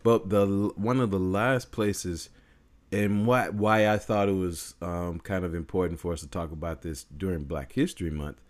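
This man is a singer with a big voice, co-hosting a casual podcast chat full of hesitant restarts and easy laughter. He sits low in pitch, keeping a steady tone at a moderate pace.

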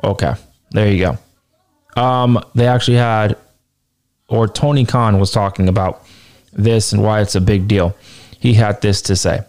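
A man with a hoarse, tired voice reads a wrestling announcement aloud, then gives his opinion with emphatic repetition. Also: on the low side, fairly even intonation, moderate pace, long pauses, darkish tone. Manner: emphatic, repeats points for stress. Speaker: wrestling news commentator.

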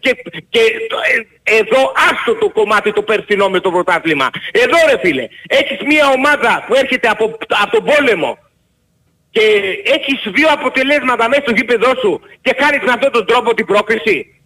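A man calling a radio show to argue loudly and insistently, talking over the host. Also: very high-pitched, animated. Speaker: caller. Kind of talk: heated call-in argument.

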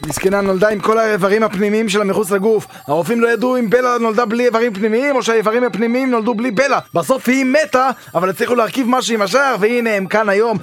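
A man playing a brisk, dismissive clerk at a phone information desk in a comedy sketch. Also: high voice, lightly acted.

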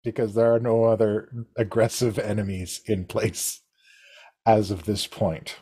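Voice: medium pitch, steady tone, unhurried, dark tone, slightly rough. A game master narrating a tabletop role-playing game among players.

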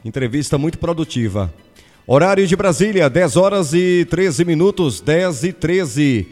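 A man's voice: on the high side, lively intonation, a little slow, a little mellow, in a large hall, soft background music. A man anchoring a radio news show with chatty, upbeat asides between items. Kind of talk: live news presenting.

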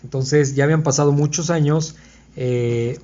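A man's voice: on the high side, steady tone, moderate pace, dark tone. A man leads a conversational Bible study for a small group. He thinks aloud and keeps checking that his listeners are following. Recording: dull lo-fi recording.

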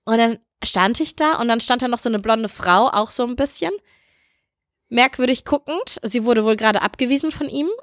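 A woman's voice: a little high, moderate pace, fairly bright tone, no room sound, clean studio sound. A woman co-hosting a podcast, telling a funny anecdote in casual chat, giggly and self-mocking. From Turkish heritage. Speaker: podcast co-host.

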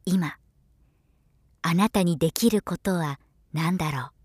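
A woman's voice: fairly low pitch, darkish tone, no echo. Polished female narrator, dry studio sound. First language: Japanese. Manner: clearly articulated, measured, formal. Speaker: professional voice-over narrator. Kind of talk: polished scripted narration for demos.

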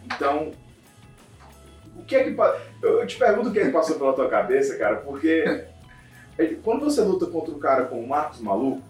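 A man, interviewing a fighter in a relaxed, chatty way. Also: on the high side, a little fast, distant mic. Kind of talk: casual interview. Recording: roomy, off-mic with music behind.

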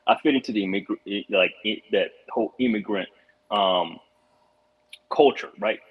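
A man's voice: fairly low pitch, normal speed, breathy edge. A man from Rwanda, a guest on a podcast, telling his story in a reflective, earnest way with frequent restarts. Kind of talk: casual podcast conversation. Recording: muffled lo-fi audio.

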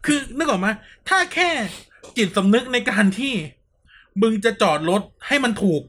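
A man's voice: very high voice, expressive, normal speed, a bit bright. A man co-hosting a podcast in casual chat, blunt and ranting, with crude slang. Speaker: podcast co-host.

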